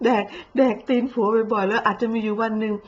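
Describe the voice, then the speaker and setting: A woman's voice: mid-range voice, level tone, fast, dull audio. A woman giving mocking, blunt commentary full of coarse slang, with a sarcastic edge. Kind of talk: sarcastic social media commentary.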